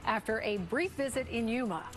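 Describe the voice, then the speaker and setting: A woman's voice: fairly high pitch, normal speed. A woman with an American accent reading headlines as a local TV news anchor. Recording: music bed under broadcast voice.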